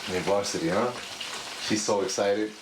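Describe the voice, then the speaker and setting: A man's voice: on the low side, steady tone, moderate pace, noisy background. A middle-aged man from the Bronx talking casually in a documentary interview, full of fillers. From the Bronx, New York. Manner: casual, conversational, many fillers. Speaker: impersonator and father. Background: music.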